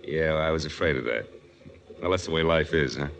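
낮은 목소리의 능글맞은 라디오극 사내, 잡음 섞인 옛 녹음. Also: male voice, a bass voice, brisk, a bit bright. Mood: flirtatious. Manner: slangy, wisecracking. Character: brash, flirtatious man on a train, secretly a crook. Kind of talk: 1940s radio drama acting. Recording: noisy old 1940s radio recording.

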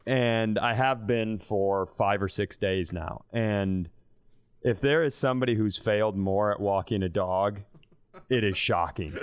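Clear-voiced man in his thirties, comic storyteller. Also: fairly low pitch, dry recording, studio quality. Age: 30s. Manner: profane, self-deprecating. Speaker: comedy podcast co-host. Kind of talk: casual comic storytelling and banter.

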